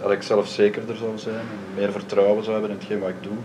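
With a Flemish accent, a man speaks at a fairly quick pace in a monotone, flat intonation, his pitch fairly low, over noticeable background noise. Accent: Flemish Dutch. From Flanders, Belgium. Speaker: film director. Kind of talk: panel discussion. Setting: stage with audience. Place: hall.

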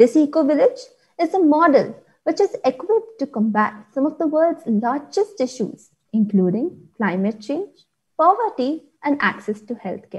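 A woman speaks with a high pitch and very wide pitch swings. The background is quiet. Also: moderate pace. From India. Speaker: student event host and moderator. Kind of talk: formal event hosting and Q&A. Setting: online live-streamed event. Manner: formal. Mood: respectful, formal. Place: home room. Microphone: video call.

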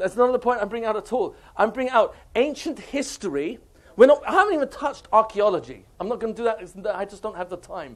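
In a British accent, a man with a high pitch talks at a very fast pace, his intonation lively and his loudness swinging widely. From England, London. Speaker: rabbi and educator; rabbi, educator. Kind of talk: lecture. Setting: stage with audience. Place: meeting room.

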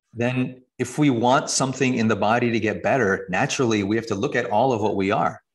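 A man at a fairly quick pace with ordinary pitch variation, over a quiet background. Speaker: podcast guest. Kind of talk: interview answer. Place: home room. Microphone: video call.

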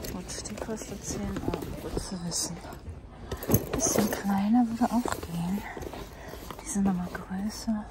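Very slow speech over loud background noise. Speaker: vlogger shopping. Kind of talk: casual vlog chat. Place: shop. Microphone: phone near.

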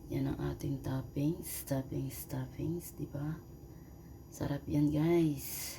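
Her speech is very slow. The woman's voice carries audible room echo. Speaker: home cooking vlogger. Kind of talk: cooking tutorial. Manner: casual, halting with fillers.

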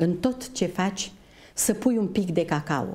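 A woman talks very slowly in a somewhat breathy voice with a dark, mellow tone. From Romania, Botoșani county (Moldavia); Romania. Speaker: museum director; guest. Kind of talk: interview. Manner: talkative. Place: hall. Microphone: lapel.

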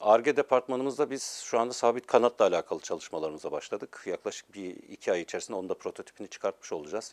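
This man's speech rushes along at a very fast pace. Pauses are almost nowhere to be found. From Germany. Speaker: aviation company founder. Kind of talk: studio interview. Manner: formal.

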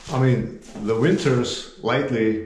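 A man talks at a very slow pace. Light background noise and audible room echo are present. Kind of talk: casual vlog chat. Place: empty room. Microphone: camera far.

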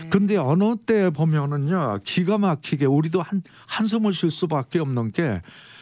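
Speaking at a fairly slow pace, a man keeps his loudness very even and his intonation lively, the sound dry with no echo and faint music in the background. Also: fairly high pitch for a man. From Korea. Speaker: Korean medicine doctor; guest. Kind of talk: health talk show interview. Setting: studio. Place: studio. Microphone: studio mic.

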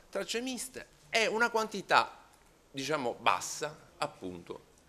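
A man speaks with a bright, sharp tone and vocal fry. His pitch swings very widely. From Sicily, Trapani; Sicily. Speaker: lawyer; defence lawyer in trial. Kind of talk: closing argument in court. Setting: courtroom. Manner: hesitant, many fillers. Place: hall. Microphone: podium.

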